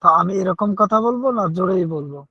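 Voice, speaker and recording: A male school teacher asks polite, hesitant questions over a video call. He has a high voice, talks quickly, and the voice cracks when he speaks loudly. The audio is dull and lo-fi. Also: animated, no room sound.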